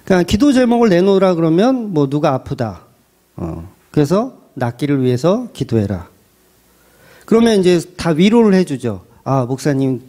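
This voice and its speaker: Man, pastor, conversational sermon, animated pitch, mellow tone. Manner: conversational preaching, acts out quotes and asks the congregation questions.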